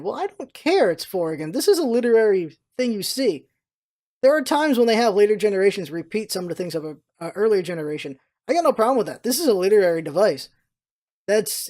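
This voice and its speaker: Emphatic vlogger with a mid-pitched voice. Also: darkish tone. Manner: emphatic, exasperated ranting. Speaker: vlog host. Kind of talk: casual opinionated movie commentary.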